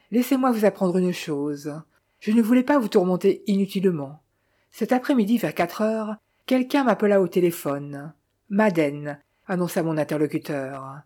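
A reader voicing an agitated older male jeweler, a worried father who scolds his son, with a mellow, husky tone. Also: mid-range voice, close to an everyday voice. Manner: anxious, scolding.

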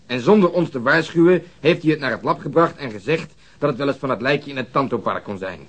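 An actor in a radio drama playing a griping junior police detective with an informal, complaining manner. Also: male voice, medium pitch, fast, natural voice. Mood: exasperated. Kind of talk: Dutch radio drama acting.

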